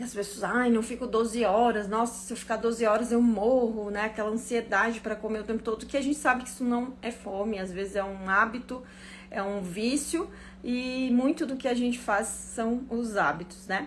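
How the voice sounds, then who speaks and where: Somewhat breathy, a woman talks at a moderate pace with fairly even intonation. Her pitch is fairly high. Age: 40s. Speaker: doctor. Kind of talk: casual live chat. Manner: casual.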